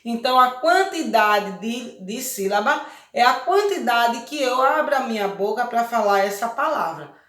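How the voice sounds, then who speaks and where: A Brazilian primary school teacher with a Brazilian Portuguese accent records a lesson for young children in an echoey room. Her voice is on the high side, fairly bright and expressive, at normal speed. She's patient, explaining step by step and constantly checking that the kids follow.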